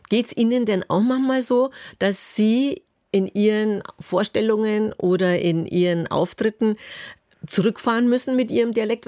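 A woman's voice: mid-range voice, a little mellow, dry recording, studio quality. A woman hosting a radio call-in, listening attentively and affirming callers with short murmurs. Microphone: studio microphone.

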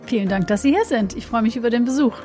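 A woman's voice: a little high, quick pace, dark tone, soft background music. A woman whose first language is English, a food blogger answering radio interview questions thoughtfully, searching for words with fillers. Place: on location by a lake.

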